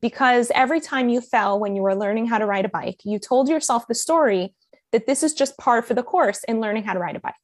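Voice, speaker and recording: A woman with a fairly high voice speaks briskly, with no echo, as a life coach guest in a conversational interview. Born in Colombia and raised in Miami, she has an American accent and tells her story earnestly, using many fillers.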